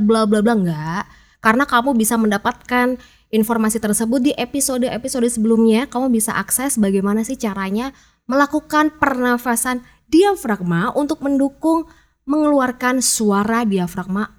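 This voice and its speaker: A woman teaching public speaking in a chatty, upbeat podcast lesson, acting out example phrases. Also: on the high side.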